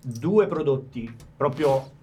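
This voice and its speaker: A man guesting on a radio chat, setting up a game in a wry, deadpan way. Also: mid-range voice, slow, a little hiss or hum. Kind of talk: casual chat.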